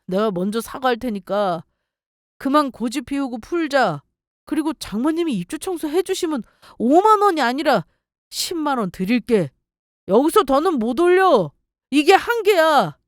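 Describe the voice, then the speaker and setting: A woman's voice: sits high, very animated, moderate pace, no echo, clean studio sound, voice pushed up. A woman voicing a stingy, condescending young boyfriend in a dramatized story narration. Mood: smug, exasperated.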